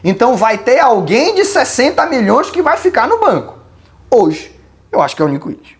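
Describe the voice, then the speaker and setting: A Brazilian-accented host talks through viewer questions in a relaxed, colloquial way. The delivery is opinionated, and the host reasons aloud as the argument builds, like an informal chat with the audience. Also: mid-range voice, moderate pace. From Belém do Pará, Brazil. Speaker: channel host. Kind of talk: casual commentary answering viewer questions.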